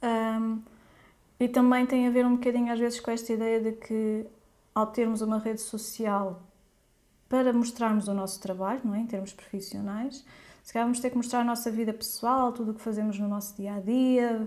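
A woman with a European Portuguese accent speaks at a fairly high pitch in a monotone, flat intonation. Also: moderate pace. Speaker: podcast host, career transition coach. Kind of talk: casual chat.

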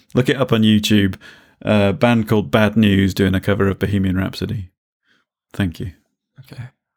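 A man speaks at a moderate pace in a fairly low pitch with ordinary pitch variation. There are long, frequent pauses, and the recording is very clean with a silent background. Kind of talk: casual podcast discussion.

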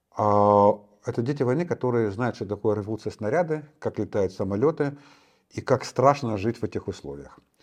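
Over a quiet background, a man uses a normal speaking voice at medium pitch, moving at a moderate pace with lively intonation. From Ukraine, Kharkiv. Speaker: IT businessman and charity activist. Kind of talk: interview.

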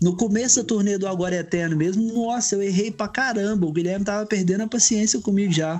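A man with a Minas Gerais accent talks at a very fast pace with hardly any pauses, using a high pitch and fairly even intonation over noticeable background noise. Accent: mineiro Brazilian Portuguese. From Minas Gerais, Brazil. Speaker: DJ and VJ, touring musician. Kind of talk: casual interview chat.

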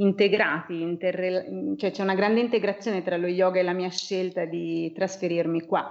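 A plain, everyday voice at a moderate pace. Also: woman. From Florence, Tuscany, Italy. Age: 40s. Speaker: yoga practitioner. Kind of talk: casual interview. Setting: remote call.

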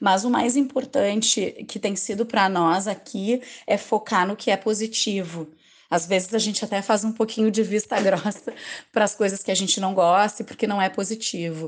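A woman with an unremarkable speaking voice, medium in pitch, at a moderate pace with fairly even intonation. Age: 40s. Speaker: entrepreneur, speech therapist by training. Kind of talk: recorded testimony.

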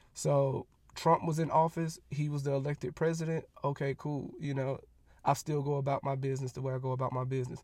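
Against a quiet background, a man talks at a fairly quick pace, somewhat breathy. His pitch is fairly high and his intonation monotone and flat. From Atlanta, Georgia. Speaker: podcast host, elementary school educator. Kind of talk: casual solo monologue. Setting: in a car.

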